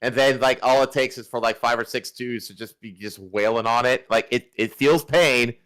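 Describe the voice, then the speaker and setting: A man's voice: mid-range voice, steady tone, moderate pace, fairly bright tone, smooth. Casual man with a mid-range voice. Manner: informal, explaining with frequent "like". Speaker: guest on a livestream. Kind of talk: casual banter.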